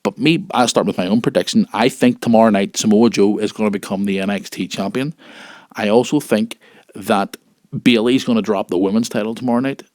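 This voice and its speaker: A man with a husky voice from a cold, hosting a casual wrestling news show and chatting informally and directly to listeners. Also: lowish voice, steady tone, fairly quick, darkish tone, dry recording, studio quality. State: has a cold.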